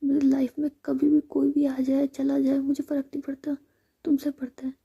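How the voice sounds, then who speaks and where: A woman's voice: sits high, completely flat delivery, moderate pace, gravelly, dark tone, lo-fi sound, voice pushed up. A woman voicing a sensitive, devoted young woman in whispered role-play, speaking with passion and pleading. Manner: impassioned and pleading.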